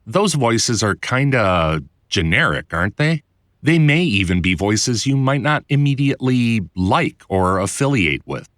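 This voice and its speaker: A man reading his own instructional audiobook in a conversational, clearly enunciated way, like a voiceover producer explaining the trade. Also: mid-range voice, big pitch swings, measured pace, a bit bright, no room sound, studio quality. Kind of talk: scripted instructional narration.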